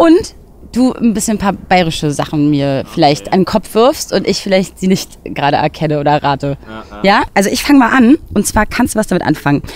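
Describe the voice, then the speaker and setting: Light background noise accompanies a woman who talks at a fairly quick pace with very wide pitch swings, in a dry sound with no echo. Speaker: TV presenter. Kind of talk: interview host. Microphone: handheld.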